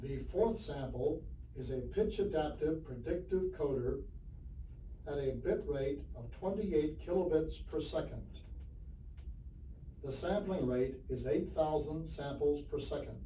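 A man reading scripted technical narration in a formal, measured manner on a 1970s flexi-disc. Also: a little high, warm tone. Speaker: narrator of a demonstration recording. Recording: roomy, distant, faintly hissy 1970s flexi-disc recording.

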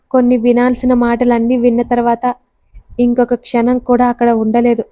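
A woman narrates a story in a measured, scripted reading. Her voice is fairly high yet mellow and dark in tone, and it barely rises or falls.

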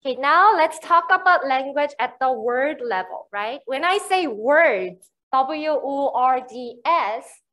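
A woman's voice: sits high, lively intonation, a bit bright. A woman with a Korean accent, a native speaker of Korean, giving a university lecture in an explanatory way with frequent checks like "right?". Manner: slow, explanatory, frequent "you know" and "right".

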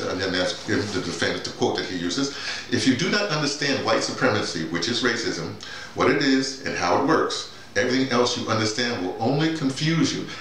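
A middle-aged man talking casually and off the cuff, halting, repeating words and drifting into digressions. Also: lowish voice, a bit bright. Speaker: playwright and audio drama director presenting his writing. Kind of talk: casual off-the-cuff vlog talk. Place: small bare-walled office, indoors. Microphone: camera mic a few feet away. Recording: distant mic, echoey room, noisy background.

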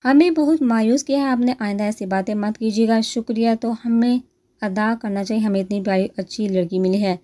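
A woman's voice: mid-range voice, dark tone, close to an everyday voice. Woman reading as a gracious elderly grandfather. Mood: gently chiding. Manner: formal, courteous.

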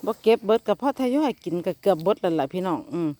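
A woman's voice: fairly low pitch, expressive, very fast, warm tone, no room sound. Woman, Isan accent, casual backyard vlog chat, talks to her dogs, dogs barking in the background. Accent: Isan (Northeastern Thai). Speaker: vlogger. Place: backyard garden outdoors.

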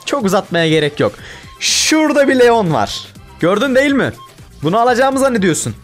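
A young man giving casual gameplay commentary, excitable and given to exaggerated frustration, talking to himself as he plays. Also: high-pitched, fairly quick, faint music behind. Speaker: gaming YouTuber.

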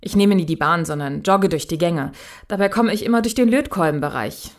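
An actress playing a blunt, guarded young machinist in a sci-fi audio drama, speaking colloquially with some hesitation. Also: female voice, fairly low pitch, expressive, brisk. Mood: recounting uneasily. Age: young adult. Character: young working-class woman machinist, casual, blunt, guarded.

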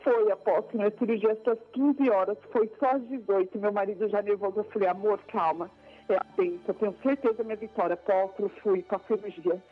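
A woman's voice: mid-range voice, steady tone, a little fast. A woman giving a fervent, emotional church testimony, telling her story over a phone line. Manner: tearful, fervent storytelling, rising to joyful exclamations. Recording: tinny phone line with faint music.

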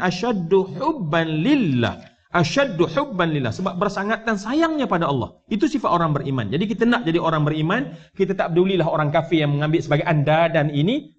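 Malaysian ustaz giving a mosque class, lively up and down voice, chatty, keeps asking the crowd, kinda muffled stream audio. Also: male voice, a little high. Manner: animated, conversational, asks the audience questions and mixes in English words. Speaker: religious teacher giving a Quran commentary class. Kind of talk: mosque lecture. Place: large mosque hall. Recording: dull livestream audio from a mosque.

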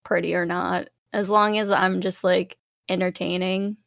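A woman's voice: on the low side, flat delivery, a little slow, vocal fry, no echo, clean studio sound. A woman chatting casually as an interview guest in a cute, bubbly streamer manner, rambling along.

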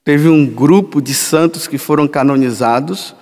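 A man's voice: on the high side, a little mellow. A man in his sixties, a priest giving a storytelling homily in a large church sanctuary on a headset mic, gesturing broadly as he speaks. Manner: slow, storytelling, sweeping hand gestures. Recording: long hall reverb.

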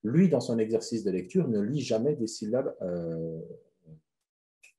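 Soft-toned man explaining a reading method. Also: on the low side, expressive, unhurried. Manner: explanatory, frequent fillers and restarts. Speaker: reading method designer presenting a webinar. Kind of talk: webinar presentation.

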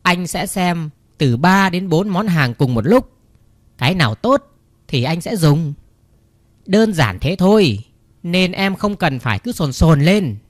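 A man's voice: fairly high pitch, sing-song, a little slow, no echo, studio quality. A man reading a smug, dismissive boyfriend. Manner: condescending.

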